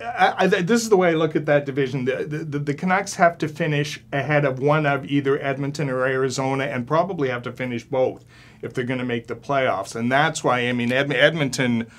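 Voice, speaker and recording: A man's voice: mid-range voice, a little fast. An older male sports columnist speaking on a studio panel, emphatic and stumbling over his first words before building up lists. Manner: emphatic, repeats words when starting. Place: studio with panel seated on stools.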